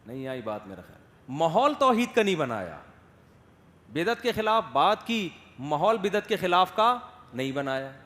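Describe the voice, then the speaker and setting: A male Islamic scholar giving a religious lecture, moving between loud emphatic points and soft acted asides, often asking listeners if they follow. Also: a little high, sing-song. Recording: echoey hall with long reverb and faint noise.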